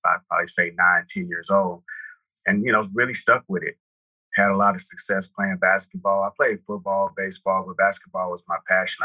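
Deep, flat-voiced Texan man. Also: no echo, rough recording. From Houston, Texas. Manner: relaxed, rambling with many "you know" fillers. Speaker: guest, real estate brokerage founder. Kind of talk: casual interview talk.

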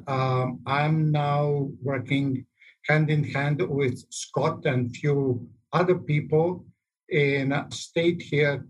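A middle-aged man from Belgrade with a Serbian accent, introducing himself on a panel in a slow, halting way. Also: mid-range voice, poor audio. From Belgrade, former Yugoslavia. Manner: slow, halting, searching for words. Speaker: university researcher, panelist.

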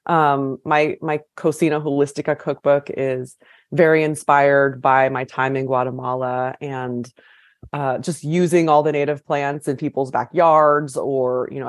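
A woman from California talks through her story in a relaxed, chatty way, stopping and restarting her sentences. Her voice sits low. The sound is dry and close, with no room around it. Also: no room sound. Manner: chatty, with frequent fillers and restarts. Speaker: chef and author guest. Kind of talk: casual interview conversation.

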